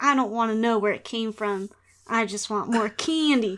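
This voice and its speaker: A woman in an American accent, fairly high in pitch, with a playful tone, ordinary pitch variation and a moderate pace, on a very clean recording with a silent background. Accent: mild Texan, homogenized. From US Texas. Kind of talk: casual chat. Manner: joking, playful.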